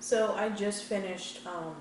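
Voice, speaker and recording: A woman's voice: mid-range voice, fairly even intonation, measured pace. An American woman chatting casually to viewers while chewing, in a rambling, hesitant way. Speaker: vlogger hosting an eat-with-me video. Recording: very echoey room, distant mic, faint noise.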